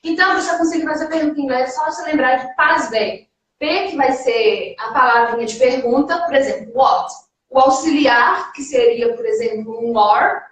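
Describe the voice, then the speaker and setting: A woman's voice: sits high, normal speed, heavy reverb, far from the mic, poor audio. A woman co-teaching a casual live English lesson who often chimes in with short words of agreement.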